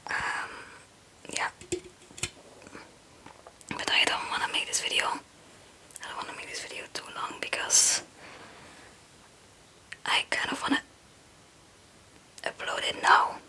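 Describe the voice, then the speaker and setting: A young woman from Belgium, a non-native English speaker, whispering a casual, hesitant and meandering ASMR chat in a breathy voice. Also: takes it slowly, long pauses, pushed and bright, low-quality recording. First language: not English. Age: young adult. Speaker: ASMR video creator.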